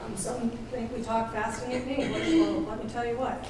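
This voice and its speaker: A woman's voice: a little high, fairly even intonation, moderate pace. A woman leading a tour of an elementary school, talking in a chatty, upbeat way. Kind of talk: casual tour talk. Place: school hallways and classrooms. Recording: echoey school rooms from a distance with noise.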